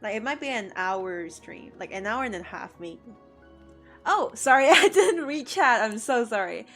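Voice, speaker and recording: A woman's voice: on the high side, animated, normal speed. A woman whose first language is Cantonese, chatting casually and laughing often while she streams her drawing. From Hong Kong. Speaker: art streamer. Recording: faint music under the voice. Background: soft background music.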